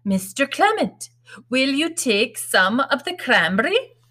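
A woman reader plays a proud working-class mother from a storybook, bossy and scolding. Her voice is raised high and she speaks very slowly and deliberately, in homely, ungrammatical phrases, as she drills manners into her brood. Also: very animated, sharp tone, heavily acted. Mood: strict, drilling. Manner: scolding, folksy ungrammatical speech.

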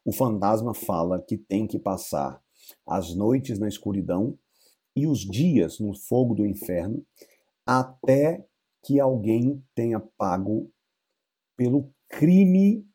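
A man with a Brazilian accent teaching English, chatty and explaining things word by word. His low, very dark voice has a husky texture. He speaks slowly, with lively swings in pitch. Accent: Brazilian Portuguese. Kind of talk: casual bilingual literature lesson.

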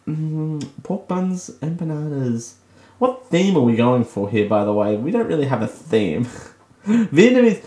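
In an echoey room, an Australian radio host talks casually on his own, often laughing and poking fun at himself. His voice is on the high side and a little mellow.

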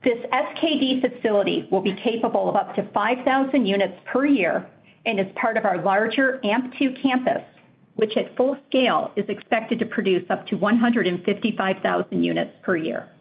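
Measured woman reading financial results. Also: mid-range voice, creaky, phone-quality sound. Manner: measured, formal reading of figures. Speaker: finance executive on earnings call. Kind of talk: scripted financial report.

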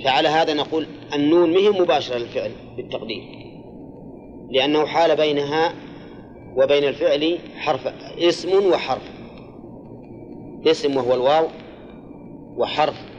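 A man's voice: fairly high pitch, moderate pace, long pauses, a little hiss or hum. Older man teaching, muffled old recording. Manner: explains step by step, repeats key phrases, quizzes students. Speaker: teacher of Quran exegesis and grammar. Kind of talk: classroom lesson with questions to students.

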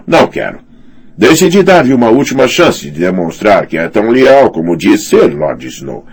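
Man doing a blustering pompous commander, raised pitch, husky, bullying, boastful. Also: very animated, normal speed, darkish tone, exaggerated voice. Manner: boastful, bullying, talks of himself by name. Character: pompous blustering male commander, middle-aged. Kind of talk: audiobook character reading.

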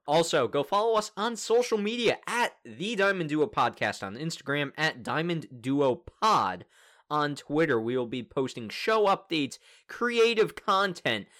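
Lively, excitable young podcast host. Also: male voice, medium pitch. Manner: joking, excitable, laughs often. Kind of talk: casual sports podcast chat.

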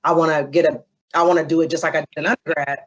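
A young adult woman answering interview questions in a casual, animated way, telling stories with asides to the listener. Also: low voice, racing, rough recording. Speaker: interview guest.

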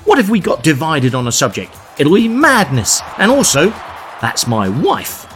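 Male actor as incredulous, sarcastic pantomime king, hugely animated, music behind. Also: fairly high pitch, moderate pace. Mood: exasperated. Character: exasperated, bickering King Arthur judging knights. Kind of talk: pantomime audio comedy.

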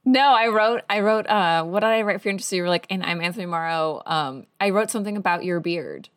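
A woman's voice: fairly low pitch, quick pace, dry recording. A woman co-hosting a podcast in casual chat, playful and full of "like" fillers. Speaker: podcast co-host.

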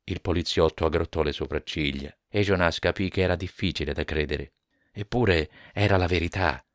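A man reading a novel aloud as narrator, in a measured, even storytelling manner. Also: low voice, dry recording, clean studio sound. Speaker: audiobook narrator. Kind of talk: scripted narration.

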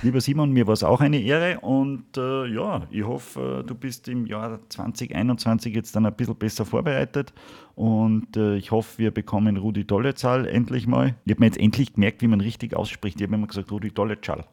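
A man's voice: on the low side, fairly quick, creaky, darkish tone. A man co-hosting a podcast, cracking dry jokes and hesitating often. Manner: dry joking, hesitant with many fillers. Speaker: podcast co-host. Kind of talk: casual podcast chat.

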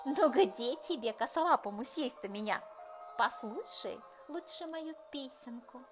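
A woman's voice: high-pitched, animated, measured pace, a bit bright, faint music behind, voice pushed up. Woman doing a boastful little bun, sing-song. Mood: cocky. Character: cheeky little male runaway bun, boastful singer. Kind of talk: children's fairy tale reading.

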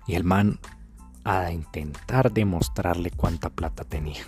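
A young man with a Colombian accent tells gossipy dating stories in a low-pitched voice. He talks in a casual, slangy way and repeats phrases for effect. Soft music plays faintly behind him. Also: unhurried. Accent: Colombian Spanish. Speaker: dating coach. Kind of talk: casual storytelling to camera.

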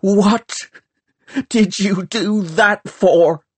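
A male audiobook reader voicing a furious, grieving teenage girl in a high, strained shout. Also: lively intonation, extremely slow, dry recording, heavily acted. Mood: furious, anguished. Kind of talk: audiobook character voice.

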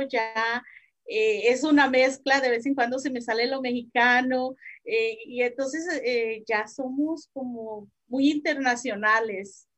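A woman in her forties from El Salvador speaks as a guest in a casual panel chat. Her voice is husky and sits a little high, and she talks in a reflective way. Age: 40s.

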